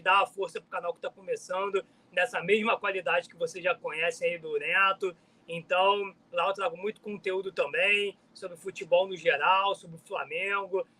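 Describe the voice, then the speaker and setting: A man's voice: high voice, sharp tone, low-quality recording. A man guesting on a casual football chat, upbeat and friendly as he greets viewers. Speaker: guest channel host, Flamengo fan.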